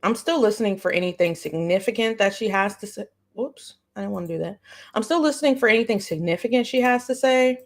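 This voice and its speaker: Speaking at a quick clip in a medium-pitched voice, a woman hosts and comments on a live stream. Her reaction chat is casual, slangy and full of "y'all."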